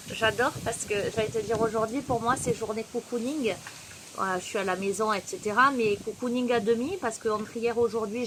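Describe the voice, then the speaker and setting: Chatty southern French woman reading tarot. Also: medium pitch. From Marseille, southern France. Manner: chatty, laughs often, addresses viewer directly. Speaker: tarot reader. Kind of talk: casual tarot reading vlog. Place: outdoor terrace on a windy day. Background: faint wind noise.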